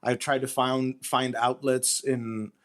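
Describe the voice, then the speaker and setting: Hesitant man in his thirties, medium pitch. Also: flat delivery, a bit bright. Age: 30s. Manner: hesitant, self-effacing, halting. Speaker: author, interview guest. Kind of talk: casual, candid interview talk.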